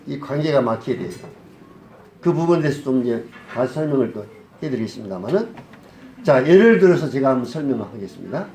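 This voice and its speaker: A male pastor preaching a sermon, asking the congregation questions and answering them himself. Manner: acts out scenes with a softer low voice. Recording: echoey hall.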